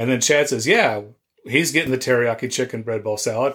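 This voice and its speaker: A man's medium-pitched voice, an ordinary speaking voice, at a fairly quick pace on a very clean recording with a silent background. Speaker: podcast co-host. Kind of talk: casual chat.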